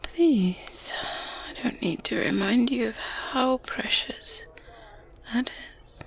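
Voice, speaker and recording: A woman voicing a kindly, motherly good witch in a gentle, breathy ASMR roleplay whisper, teasing softly and reassuring as she goes. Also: fairly high pitch, exaggerated voice, poor audio. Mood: earnest, reassuring. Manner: gentle, unhurried, coaxing, little hums. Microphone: close binaural microphone. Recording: close binaural mic with faint ambience noise. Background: medieval ambience sounds.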